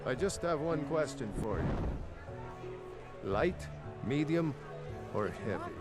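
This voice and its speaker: An actor playing an unhurried military quartermaster in scripted fantasy game dialogue. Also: male voice, on the high side, animated. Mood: businesslike. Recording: loud music over the voice.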